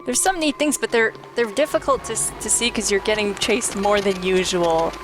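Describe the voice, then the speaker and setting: A woman's voice: mid-range voice, normal speed. A woman hosting a let's play, giving casual, wry commentary with some swearing as she plays. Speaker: let's play host, player. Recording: game music behind commentary.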